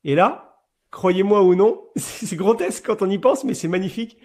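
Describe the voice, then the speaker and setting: A middle-aged man, a priest, giving a webinar talk about his own experience, telling it in an animated way with fillers and repeated words. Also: normal speed, husky. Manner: animated storyteller with sudden rises in pitch and loudness.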